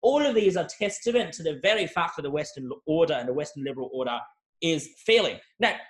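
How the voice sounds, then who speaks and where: Measured, hedging male academic. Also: fairly high pitch, expressive. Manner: measured, hedging, repeats words when restarting. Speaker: academic guest. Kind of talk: analytical interview answer.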